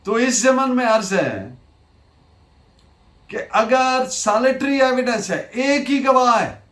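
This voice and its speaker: A man with a Pakistani accent giving a lecture in a deliberate, didactic way, repeating his key phrases. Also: very high-pitched, lively intonation, fairly bright tone. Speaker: law lecturer. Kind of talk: lecture on legal principles, mixing Urdu and English. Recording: echoey, roomy sound.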